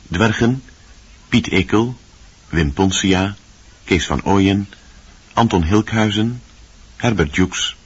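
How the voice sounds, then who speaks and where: A man working as an announcer, reading scripted radio credits in a measured, formal way. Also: low-pitched, breathy edge. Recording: dull old radio recording.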